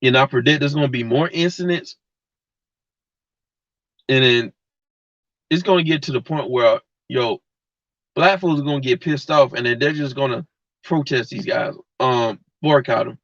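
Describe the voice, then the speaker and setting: A man's voice: mid-range voice, normal speed, pauses often, a bit bright, no echo. A man hosting a livestream, giving a blunt, heated, slangy rant straight to his viewers. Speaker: livestream host. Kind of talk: casual slangy rant to live chat. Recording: dull lo-fi mic.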